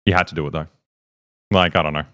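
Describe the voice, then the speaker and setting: A man's voice: extremely low pitch, fairly even intonation, fast talker, pushed and bright, smooth. A male streamer co-host in casual livestream chat, telling loose, sweary, rambling stories.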